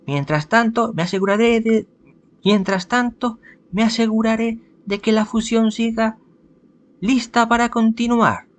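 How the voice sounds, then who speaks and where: A man voicing a composed female leader in a game, reading her orders in a measured, commanding way. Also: very high-pitched, fairly even intonation, pitched above the performer's own voice.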